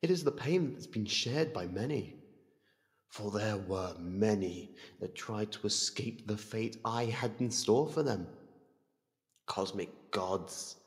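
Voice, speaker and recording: Man voicing a slow, menacing ancient void entity. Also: lowish voice, lively intonation. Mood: gloating, solemn. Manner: slow, deliberate, condescending. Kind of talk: ASMR monologue roleplay. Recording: cavernous long reverb.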